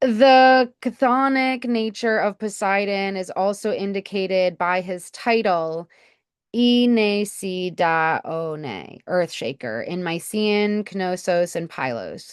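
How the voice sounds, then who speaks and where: Very slow delivery with lively intonation, a slight Baltimore accent and a quiet background. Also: woman, medium pitch for a woman. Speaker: spiritual educator / video creator. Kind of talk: lecture reading slides with personal asides. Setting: screen-share recording. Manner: halting, hesitant.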